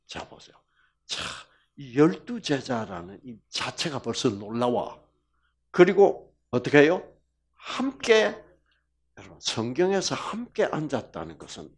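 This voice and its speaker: Guy preaching slow and animated, loud then whispery, cracks jokes. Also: medium pitch, gravelly. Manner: swings from loud emphasis to hushed whispers, jokes and laughs; slow, drawn-out emphasis. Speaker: health lecturer. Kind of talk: lively sermon-style lecture.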